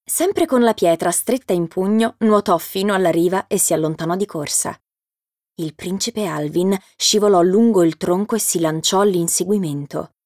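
A woman narrating a children's storybook in a steady, clear reading voice. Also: on the low side, normal speed, no echo, studio quality.

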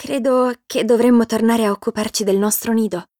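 A woman's voice: fairly high pitch, steady tone, a little fast, darkish tone, no echo, studio quality, close to an everyday voice. Woman doing a shy little female woodpecker. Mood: timid. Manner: timid, murmuring.

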